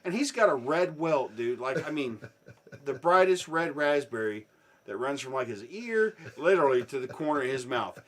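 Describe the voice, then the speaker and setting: A man telling a swear-filled story in a casual chat, dropping low and then bursting into loud shouts. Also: moderate pace. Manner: profane, animated, swings from hushed to shouting.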